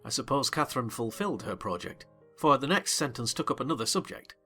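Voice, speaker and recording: A man as a wry, well-spoken gentleman narrator with a bright, clear voice. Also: medium pitch, expressive, faint music behind. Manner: measured, wry literary narration. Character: genteel male narrator, wry gentleman tenant. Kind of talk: dramatized audiobook narration.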